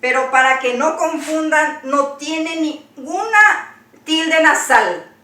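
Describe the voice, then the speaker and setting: A woman with a high, bright voice gives a language lesson at an unhurried pace. She spells words out letter by letter and explains them patiently. The sound is a little echoey, as if in a bare room. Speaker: language teacher.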